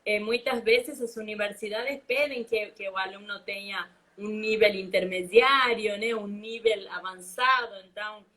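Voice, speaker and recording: A woman's voice: medium pitch, steady tone, moderate pace, few pauses, sharp tone, low-quality recording. A woman from Buenos Aires with a strong Argentine accent, a Spanish teacher chatting in a live stream, mixing Spanish into her Portuguese with lots of fillers and laughter. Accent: Argentine, speaking Portuguese mixed with Spanish. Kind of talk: casual live chat.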